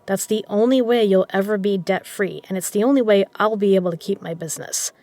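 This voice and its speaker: A woman playing a shrewd poker legend who runs an underground casino, speaking in a measured, persuasive way in a scripted audio drama. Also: mid-range voice, mellow, natural voice. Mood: resolute, persuasive.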